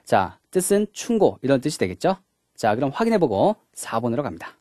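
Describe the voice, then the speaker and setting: A man's voice: medium pitch, sing-song, brisk, darkish tone, no echo. A man giving a recorded English grammar lecture, walking through each point step by step and opening each one with a short "자". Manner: mixes English words into the explanation.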